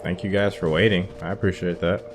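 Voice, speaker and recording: A man with a low, deep voice talks his viewers through a video game. He speaks casually, as a streamer commenting on his own play. Music plays clearly behind him. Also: flat delivery, brisk. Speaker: gaming streamer doing a playthrough.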